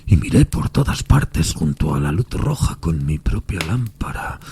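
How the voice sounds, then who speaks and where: A haunted railway signalman in a radio play, with an extremely low, mellow voice. He is grave, earnest and full of dread. There is clear noise behind him. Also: full character voice. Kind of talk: dramatised audio fiction.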